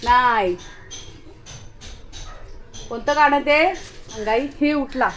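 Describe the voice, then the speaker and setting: A woman vlogging casually from her house under renovation, chatting and calling out loudly to her dog. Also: sits high, very slow, slight background noise. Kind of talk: casual home vlog.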